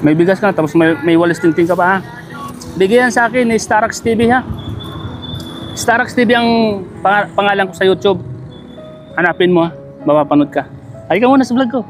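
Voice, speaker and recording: A man's voice: sits high, a little fast, pauses often. A man vlogging outdoors on a sunny street, chatting in a kindly, encouraging way and coaxing with short repeated check-in questions. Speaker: vlogger handing out gifts. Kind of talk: casual on-the-street chat. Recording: background music under the voice.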